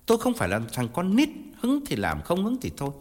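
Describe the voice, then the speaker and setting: A pushy, indignant middle-aged man presses his case, as a male narrator puts him on. The voice is husky and swings widely up and down, with a long reverb trailing each line. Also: mid-range voice, huge pitch swings, normal speed, darkish tone. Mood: angry. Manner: insistent, pleading then angry.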